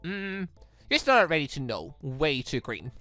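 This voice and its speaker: Male reader as young female student guide, playful, teasing, lively pitch swings, visual novel, dry sound. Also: normal speed, no room sound, soft background music. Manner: playful, cheeky. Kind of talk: visual novel dialogue read aloud.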